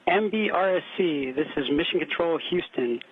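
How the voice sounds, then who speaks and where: A man working as a mission control radio operator, making slow, clipped, formal calls over a tinny space radio link. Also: fairly high pitch, expressive. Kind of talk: formal radio call procedure. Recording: narrow-band radio line, husky and dry.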